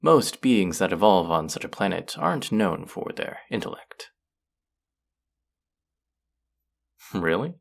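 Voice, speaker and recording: Casting: cultured, mocking alien aristocrat type for sci-fi audio roleplay, acted by a performer; deep, lively intonation, condescending and deliberate. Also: gravelly, exaggerated voice. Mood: smug condescension. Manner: condescending, amused, deliberate, theatrical. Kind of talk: audio roleplay acting addressed to the listener.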